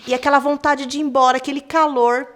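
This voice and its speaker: A woman's voice: high-pitched, fast talker, a crowd in the background. A woman with a Brazilian Portuguese accent, a podcast guest telling a faith story in casual conversation and acting out what she said back then. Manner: lively storyteller acting out her own past lines.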